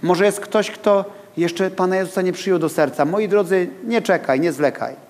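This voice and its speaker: A man preaching as a guest pastor. He talks in an animated way, repeats words and laughs at his own jokes. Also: sits high, moderate pace. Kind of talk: lively sermon to a congregation. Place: church hall. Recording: long hall reverb.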